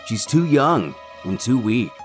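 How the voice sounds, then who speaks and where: A man delivers scripted recap narration with dramatic emphasis. His mid-pitched voice moves up and down in a lively way, with faint music playing behind him. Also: a little slow.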